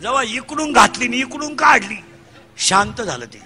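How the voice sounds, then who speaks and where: High, bright-voiced comic kirtan preacher man. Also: lively intonation. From Maharashtra. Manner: rapid storytelling, acting out characters, shouting punchlines. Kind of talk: comic devotional sermon.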